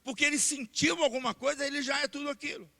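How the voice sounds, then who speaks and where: Brazilian pastor preaching, really high bright voice, says stuff twice and gets loud, big echoey church. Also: male voice, fairly even intonation, quick pace, creaky. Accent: Brazilian Portuguese. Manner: repeats key points, rising to loud emphatic declarations. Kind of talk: sermon. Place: church sanctuary. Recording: long church hall reverb.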